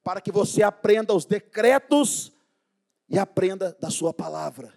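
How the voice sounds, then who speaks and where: A pastor preaching a sermon in a loud, animated, slangy way, dropping to low murmurs and laughing at his own stories. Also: normal speed, gravelly.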